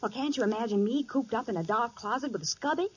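An actress playing an eager, excitable young female office worker in a 1940s radio drama. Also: a little high, quick pace, breathy edge. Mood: confiding. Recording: dull, muffled old radio recording.

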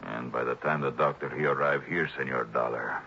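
A man's voice: rumbling low, steady tone, a little fast, vocal fry, sharp tone, slight background noise, exaggerated voice. An actor with a Mexican Spanish accent playing a big, menacing hired gunman in broken English in a 1960s radio drama. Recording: dull lo-fi old radio broadcast.

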